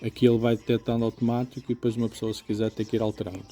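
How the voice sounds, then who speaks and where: A man's voice: lowish voice, level tone, very fast, dark tone, a little hiss or hum. A man with a European Portuguese accent giving a casual, informal hands-on product review, explaining things step by step. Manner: informal, explanatory, often checking with "ok?". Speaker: motorcycle gear reviewer.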